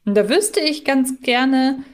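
A woman's voice: high voice, lively intonation, takes it slowly. A woman co-hosting a podcast, reasoning aloud and raising questions in a casual, analytical chat. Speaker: podcast co-host.

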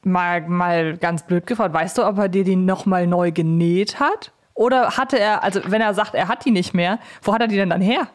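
A woman's voice: on the low side, moderate pace, few pauses. A woman hosting a podcast, interviewing in an informal, conversational way with rambling, self-correcting questions. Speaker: podcast host.

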